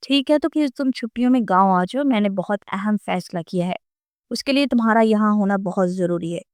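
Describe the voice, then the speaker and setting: A woman's voice: medium pitch, no echo, studio quality, lightly acted. A woman voicing a stern old grandfather. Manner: commanding, threatening. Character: stern elderly male grandfather, village patriarch.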